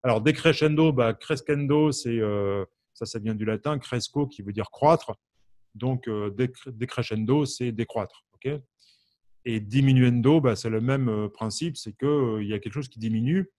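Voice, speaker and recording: A man's voice: medium pitch, normal speed, dark tone. A man from France's Champagne region teaches a live online harmonica class. He talks in a loose, chatty way, poses questions to his viewers and answers them by name. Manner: asks the audience questions, many fillers. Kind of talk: live online music lesson.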